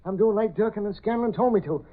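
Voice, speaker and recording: An actor playing a nervous, rough-talking amusement park ride worker in an old radio drama. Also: male voice, high voice, fast talker. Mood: wary. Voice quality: rough, ungrammatical tough-guy talk. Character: scared carnival ride worker, gruff. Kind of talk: 1930s radio drama acting. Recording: tinny, lo-fi old radio broadcast.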